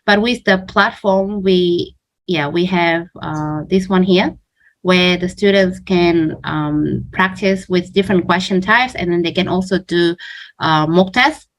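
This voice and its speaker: A woman with a fairly low voice talks as a teacher answering questions. Her delivery is informal and explanatory, with halting phrases and words often said twice before she carries on. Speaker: exam prep teacher, interview guest.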